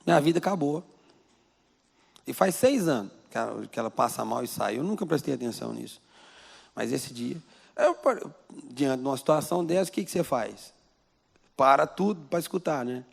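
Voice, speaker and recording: A man's voice: mid-range voice, lively intonation, normal speed, gravelly, slightly rough. A male pastor with a Brazilian Portuguese accent, preaching a conversational sermon in a church and throwing rhetorical questions at the congregation. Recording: long church-hall reverb.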